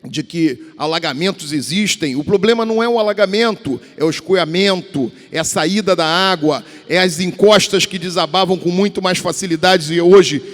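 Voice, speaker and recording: Carioca deputy speaking in an echoing chamber. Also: male voice, sits high, moderate pace, few pauses. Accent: Carioca Portuguese. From Rio de Janeiro, Brazil. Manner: rambling, repeats and restarts words, addresses colleagues. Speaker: state deputy. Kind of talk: formal legislative speech. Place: large legislative chamber. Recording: long reverb of a large hall.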